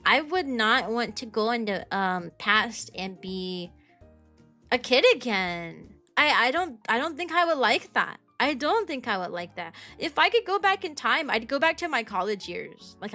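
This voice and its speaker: A woman in her mid-twenties with a high, youthful-sounding voice, chatting casually with her stream viewers and rambling with lots of ums, likes and restarts. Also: expressive, moderate pace, sharp tone, faint music behind. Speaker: VTuber streamer and kindergarten teacher.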